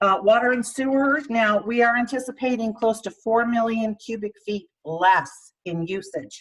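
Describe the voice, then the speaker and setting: A woman speaks in a plain, everyday voice, fairly high in pitch with ordinary pitch variation. Her pace is fairly slow, with hardly any pauses. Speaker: city manager. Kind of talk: budget presentation at council meeting.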